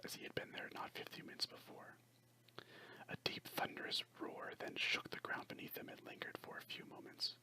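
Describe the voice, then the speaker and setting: This is a fully whispered ASMR voice, breathy and unvoiced. The delivery is hushed and unhurried, the manner of someone softly telling a nature story to a listener. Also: medium pitch, rough recording. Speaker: ASMR creator and amateur story writer.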